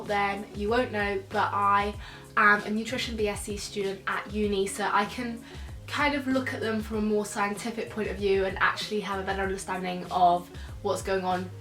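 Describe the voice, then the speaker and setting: A young woman, a nutrition student, talking casually to camera while croaky and stuffed up from a cold, explaining things in a chatty way. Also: mid-range voice, fairly even intonation, moderate pace, recorded from a distance. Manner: chatty and explanatory, many fillers like "so" and "yeah". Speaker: nutrition student reacting to videos. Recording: echoey room, voice a bit off-mic, soft music behind.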